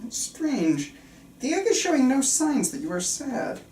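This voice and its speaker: A woman's voice: high-pitched, sing-song, measured pace, mellow, heavily acted. A woman playing an earnest, controlling male psychiatrist at a script table read, stumbling slightly and speaking clinically and insistently. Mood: calm, clinical. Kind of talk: table reading of a film script. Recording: roomy, distant mic, faint room noise.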